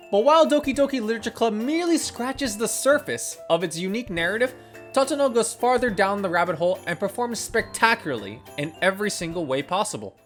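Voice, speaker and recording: A reviewer reading a scripted video essay in an earnest, enthusiastic way. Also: mid-range voice.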